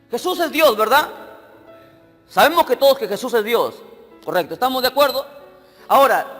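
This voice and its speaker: A man preaches a sermon in a fairly high voice, asking the congregation questions all the time. He swings from loud bursts to near-hushed lines. His voice rings with a long reverb, and soft music plays under it. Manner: emphatic, questions the congregation often. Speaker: evangelist preacher.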